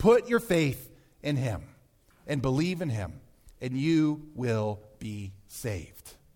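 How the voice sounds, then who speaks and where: A man with an American accent and a dark, mellow tone speaks very slowly, with long, frequent pauses. His pitch swings very widely, and the room echo is audible. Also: medium pitch for a man. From Maryland. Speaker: pastor. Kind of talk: sermon. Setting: church.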